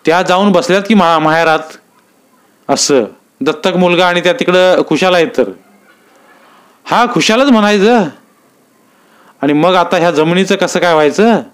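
A man's voice: high voice, normal speed, pauses often, smooth, voice pushed up, close to an everyday voice. A man voicing worried village men. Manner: worried, rustic village speech. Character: anxious rural village men talking.

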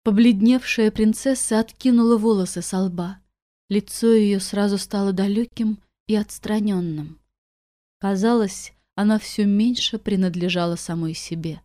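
A woman narrating a fairy-tale audiobook in a calm, measured manner, recorded close to a studio microphone. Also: medium pitch, no room sound. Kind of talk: storybook narration.

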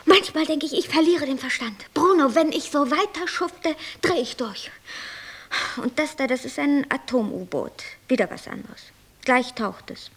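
An actress playing a capricious, self-absorbed white angel who creates worlds, airy, flippant and lecturing, in a German radio play. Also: female voice, sits high, lively intonation, moderate pace. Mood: boastful, flighty.

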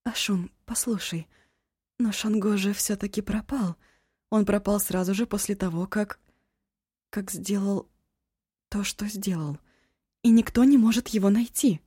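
A woman voicing a timid, anxious young woman who speaks cautiously and sometimes breaks into shouts. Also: mid-range voice, unhurried, pauses often, breathy edge, no echo, clean studio sound, pitched above the performer's own voice. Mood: pleading.

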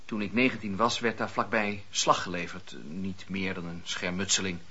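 Fervent husky preacher man. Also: low voice, little pitch movement, sharp tone. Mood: earnest, assured. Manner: declamatory, impassioned storytelling with dramatic pauses. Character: fervent wandering preacher, earnest 17th-century religious dissenter. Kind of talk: radio drama acting. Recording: dull, lo-fi radio play recording.

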